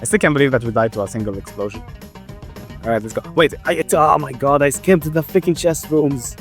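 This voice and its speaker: A young man who stutters often, narrating and reacting loudly to a game he is playing, casual and swearing. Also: mid-range voice, a little fast, soft background music. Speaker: gaming YouTuber. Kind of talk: game commentary with voice-over narration.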